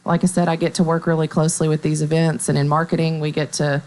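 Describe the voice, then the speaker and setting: A woman in her thirties from Middle Tennessee, a bank marketing staffer talking on local radio in a measured, upbeat way with fillers. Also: deep voice, little pitch movement, a little mellow. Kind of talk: radio interview.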